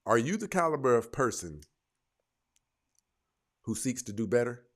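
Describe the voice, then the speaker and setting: A man's voice: mid-range voice, very animated. Confrontational male debate show host. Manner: confrontational, fires rapid leading questions. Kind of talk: live call-in debate show.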